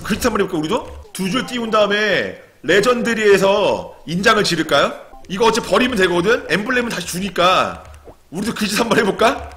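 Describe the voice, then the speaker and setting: A high, bright young man's voice that leaps all over the place as he narrates his game, dropping to mutters and then bursting into shouts and swearing. Soft music plays under him. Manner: excitable, swings from muttering to sudden yelling and swearing. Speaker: game streamer. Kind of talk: live game commentary.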